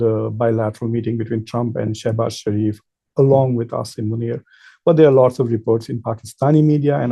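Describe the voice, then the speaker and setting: Gravelly, dark-voiced man giving commentary. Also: mid-range voice. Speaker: political commentator and professor. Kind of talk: informal political commentary to camera.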